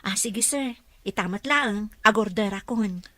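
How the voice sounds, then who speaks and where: A woman's voice: medium pitch, unhurried, pushed and bright. A woman playing a friendly female caregiver to a mansion boss in an Ilocano audio drama. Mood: helpful, polite.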